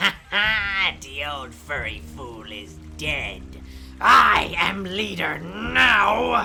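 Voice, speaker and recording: A man's put-on character voice at a very slow pace, with clear music in the background. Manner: broken grammar, gleeful.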